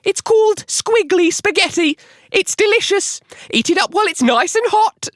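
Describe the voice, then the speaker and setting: A man voicing a spiteful, gleeful old wife in a children's audiobook, in a shrill, exaggerated voice. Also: lively intonation, normal speed, a bit bright, no echo, studio quality. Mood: sly, sweet.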